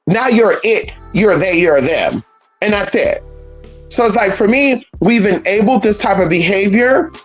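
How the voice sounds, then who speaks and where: A trans woman vlogging a blunt, profane, sassy rant in an emphatic, animated way. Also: mid-range voice, unhurried, husky, faint music behind. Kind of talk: casual vlog rant.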